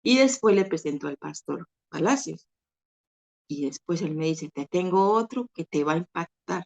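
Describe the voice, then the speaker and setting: A woman's voice: on the low side, animated, normal speed, creaky, a little mellow. A middle-aged woman giving an earnest personal faith testimony, retelling conversations with feeling. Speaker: church member giving testimony. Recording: dull lo-fi sound.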